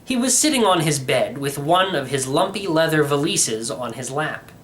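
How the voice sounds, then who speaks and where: A man reading a children's novel aloud as expressive first-person narration. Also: on the high side, moderate pace, slight background noise. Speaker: audiobook reader.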